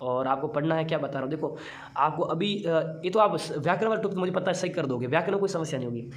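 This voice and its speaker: A man's voice: a little high, quick pace. A man teaching an online exam-prep class in a playful, chatty way, teasing his students. He mentions he has been unwell.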